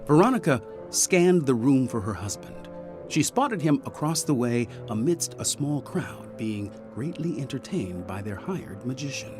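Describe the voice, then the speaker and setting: A man's voice: medium pitch, sing-song, measured pace, music in the background. A man narrating a scripted audio drama as an arch, dramatic storyteller.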